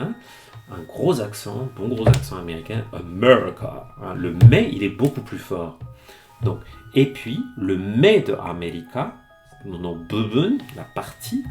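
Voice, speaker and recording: A man teaching Japanese in French on a live stream, reading passages aloud and explaining them in a chatty, lively way. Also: lowish voice. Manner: greets chat viewers by name. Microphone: streaming mic.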